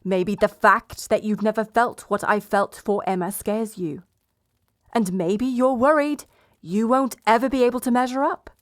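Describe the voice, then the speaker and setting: A woman's voice: on the high side, a little slow, close to an everyday voice. A woman playing a proud, blunt betrothed princess in a medieval romance audio roleplay, sardonic and exasperated in manner. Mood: taunting, heated. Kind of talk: romance audio roleplay acting, addressed to listener.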